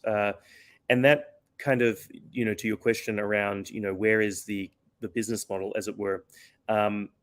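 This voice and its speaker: A man being interviewed as a company founder, explaining earnestly with frequent fillers and restarts while his voice is going hoarse. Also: lowish voice. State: losing his voice. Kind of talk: conversational interview answer.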